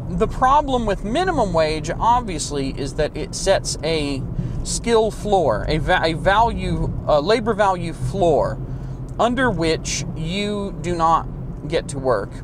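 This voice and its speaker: A man speaks at a very slow pace. The sound is dry with no echo, though background noise is noticeable. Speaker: political commentator. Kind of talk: commentary rant while driving. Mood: dismissive, argumentative. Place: car. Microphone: lapel.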